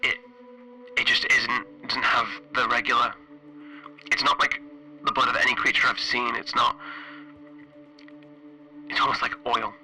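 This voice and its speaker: A man playing a weary, frightened spaceship engineer in a solo role-playing game, recording a halting, hesitant audio log. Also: mid-range voice, little pitch movement, sharp tone, faint music behind, poor audio. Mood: uneasy, haunted. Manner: hesitant, halting, broken phrasing.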